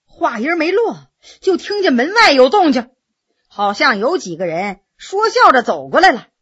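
A woman narrating a story in a lively, expressive audiobook style. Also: high-pitched, normal speed, lo-fi sound.

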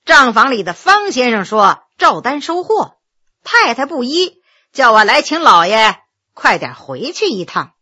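A woman's voice: fairly high pitch, big pitch swings, measured pace, pushed and bright, husky, no room sound, clean studio sound, heavily acted. A woman voicing an insolent young male servant who speaks in a sly, half-mocking way, in a spoken storytelling reading.

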